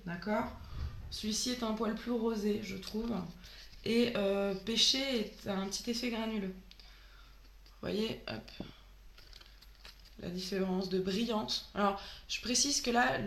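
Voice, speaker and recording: A sick woman with a hoarse voice, chatting casually through a haul of nail polishes and trailing off with fillers. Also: medium pitch, a bit bright, reverberant, slight background noise. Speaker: beauty vlogger.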